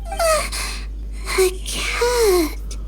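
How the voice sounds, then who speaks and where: An actress voicing a sleepy, meek young woman scholar in a game, speaking softly and hesitantly with a slightly gravelly tone. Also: extremely high pitch, sing-song, drawn-out words, background noise, exaggerated voice. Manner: soft, hesitant, apologetic.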